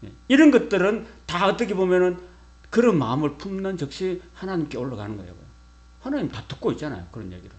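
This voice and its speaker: Lively middle-aged man preaching conversationally. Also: high voice, fast talker. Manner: conversational preaching with rhetorical questions to the congregation. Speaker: pastor. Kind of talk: sermon.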